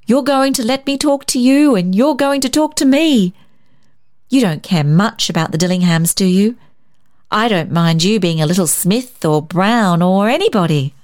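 A woman's voice: normal speed, darkish tone, lightly acted. A woman voicing a lonely, affectionate storybook lady who gushes tenderly. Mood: delighted, tender. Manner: gushing, tender, high-lifted. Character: lonely, wistful, affectionate woman, effusive with delight.

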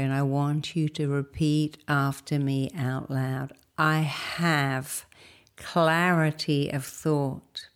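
A woman guides a meditation in a deep, soft voice, speaking slowly and soothingly as she gives instructions. Her phrases tend to trail off into breathiness at the end.

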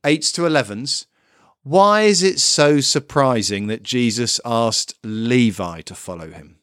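A middle-aged man giving a children's sermon, emphatic and expressive, building lists and ending in prayer. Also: medium pitch, measured pace, no room sound. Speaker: preacher. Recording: dry close recording.

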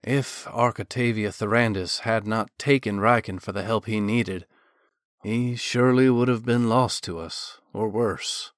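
Man voicing a low, gentle, sorrowful elder. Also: no room sound, clean studio sound. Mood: sorrowful resignation. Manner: slow, hushed, sorrowful.

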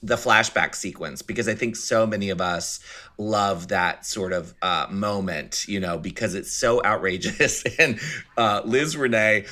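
A man hosting a casual film discussion podcast, enthusiastic and quick to laugh, with plenty of fillers. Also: on the low side, pushed and bright. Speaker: podcast host.

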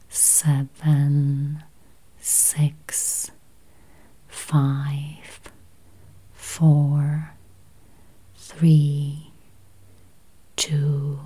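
Very slow, breathy low-voiced woman. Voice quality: soft, breathy, whispery. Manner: slow, gentle, spaced short phrases. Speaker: guided meditation host. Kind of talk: guided meditation, counting and affirmations.

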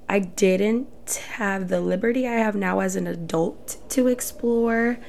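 Gravelly-voiced young woman hosting a podcast. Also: medium pitch, darkish tone, a little hiss or hum. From El Salvador, raised in Houston, Texas. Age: 20s. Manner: earnest, reflective, speaks in short phrases. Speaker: podcast host. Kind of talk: solo podcast monologue.

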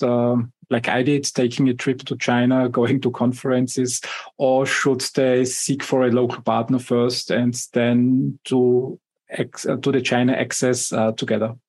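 A man's voice: medium pitch, darkish tone. A man hosting a podcast interview, a non-native English speaker who talks hesitantly with many fillers. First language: not English. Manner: hesitant, full of "uh" and "um". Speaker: podcast host. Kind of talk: conversational interview.

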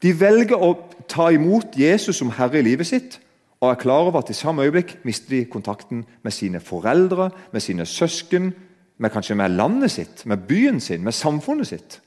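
A man's voice: a little high, very animated, a little mellow. Man preaching in an echoing hall. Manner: conversational, addresses listeners directly. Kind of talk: sermon. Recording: long hall reverb.

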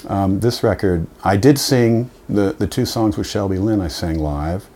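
Low-voiced relaxed man chatting. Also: a little slow. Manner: relaxed, trailing off, lots of "you know". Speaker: guest musician. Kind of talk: casual conversation.

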